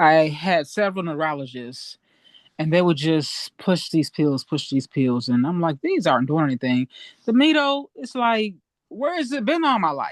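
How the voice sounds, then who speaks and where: A woman's fairly low voice with very wide pitch swings at a moderate pace, dry and close with no echo, over a quiet background. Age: 60s. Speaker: military veteran. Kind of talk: testimony. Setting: video call.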